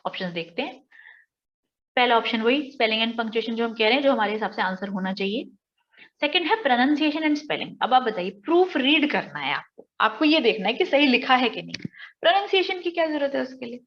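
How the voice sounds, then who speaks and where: A woman's voice: on the high side, big pitch swings, brisk, lo-fi sound, slight background noise. An Indian woman teaching an exam-prep lesson, explaining step by step with everyday examples and rhetorical questions. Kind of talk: exam-prep lecture mixing Hindi and English.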